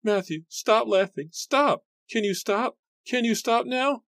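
A man's voice: very high voice, lively intonation, takes it slowly, fairly bright tone, no room sound, clean studio sound, pitched above the performer's own voice, exaggerated voice. A man voicing a desperate, terrified wife who pleads urgently and shrilly in a storybook drama. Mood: desperate pleading.

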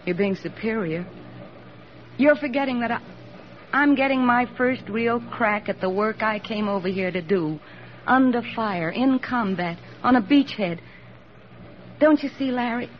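An actress playing an eager young army nurse in a 1940s radio drama, earnest and soft-spoken, on a dull old radio recording. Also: female voice, on the high side, unhurried, slight background noise, natural voice.

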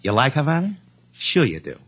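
A man's voice: mid-range voice, huge pitch swings, fairly quick, fairly bright tone, slightly rough, lo-fi sound, exaggerated voice. A man playing a brash, needling comedian and schemer in a 1950s radio drama, wisecracking and pushy, repeating himself. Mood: sly, menacing.

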